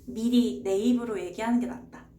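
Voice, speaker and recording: A woman's voice: fairly high pitch, steady tone, normal speed, warm tone. A young woman streamer casually retelling a novel's plot, chatty and rambling, answering her viewers as she talks. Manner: chatty, rambling, answers chat with short replies. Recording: roomy echo, faint background hiss.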